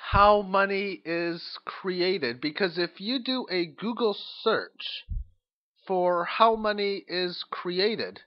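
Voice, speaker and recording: Hosting an audio log, a man delivers an informal, opinionated monologue, halting and rambling as he works through his thoughts. The lo-fi recording sounds dull and low in quality.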